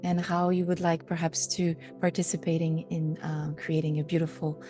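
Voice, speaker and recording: A woman hosting an interview, gentle and effusive, with soft affirmations. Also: deep voice, level tone, moderate pace, soft background music. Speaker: host.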